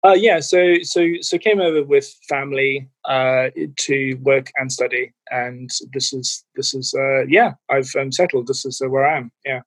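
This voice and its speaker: Guy in his 40s, soft south african accent, lots of um and uh, dry close sound. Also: mid-range voice, steady tone, moderate pace, few pauses, no room sound, poor audio. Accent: mild South African, anglicized. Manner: hesitant, many fillers and restarts. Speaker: fitness and mental health coach, guest. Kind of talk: casual interview answers.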